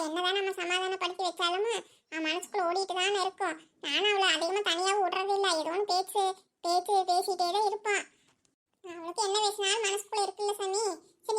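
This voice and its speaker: Cartoon auntie voiced by a woman: very high, quick, fussy chatterbox. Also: a bit bright. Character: chatty middle-aged village woman, elder sister-in-law. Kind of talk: cartoon voice acting.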